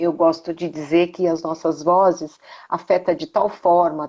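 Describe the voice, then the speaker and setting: A woman speaks fairly slowly in a dark, mellow tone. Her intonation is flat and monotone, and the background is quiet. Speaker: voice actor, dubbing director. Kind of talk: interview answer. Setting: online live stream.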